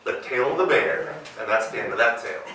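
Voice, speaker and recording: A man's voice: medium pitch, animated, a little fast, pushed and bright, slight background noise. An American man telling a folktale live, playfully putting questions to his listeners. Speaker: storyteller. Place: live event room with audience. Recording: roomy live hall, distant mic.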